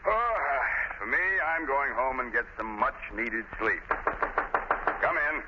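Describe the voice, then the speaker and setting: An actor playing a gruff, impatient, skeptical police commissioner in a 1930s radio drama, brusque and dismissive. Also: male voice, mid-range voice, very animated, takes it slowly. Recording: muffled, noisy 1930s radio recording.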